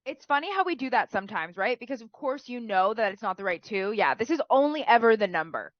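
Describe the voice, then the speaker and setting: A woman's voice: a little high, very animated, fast, no room sound, lo-fi sound. A woman teacher who is sick and sounds nasal, giving chatty writing feedback and often tagging "right?" onto her sentences.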